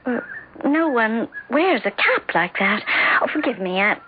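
A woman's voice: fairly high pitch, very animated, a little slow, slight background noise. A woman playing an anxious, earnest, troubled wife who narrates her story in a hesitant, emotive 1970s radio drama style. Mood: flustered politeness. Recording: dull radio broadcast over music.

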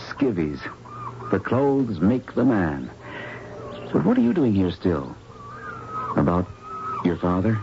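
An actor playing a plucky, chivalrous young intern doctor in a radio drama, with a breezy, plain-spoken manner. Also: male voice, low-pitched, wildly swooping pitch, slow, gravelly, pauses often, exaggerated voice. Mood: breezy, friendly. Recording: dull old radio recording, faint noise.

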